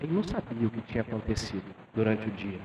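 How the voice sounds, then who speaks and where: A man's voice: fairly low pitch, very animated, quick pace. A man in his fifties from Brazil giving a lecture and telling a personal story in a conversational way, often tagging his sentences with a questioning "né?". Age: 50s. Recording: echoey hall from far off with faint noise.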